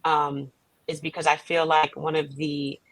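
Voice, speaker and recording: Lower-pitched woman, halting, dry close sound. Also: flat delivery, no echo, poor audio. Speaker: writer and director, interview guest. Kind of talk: casual panel interview talk.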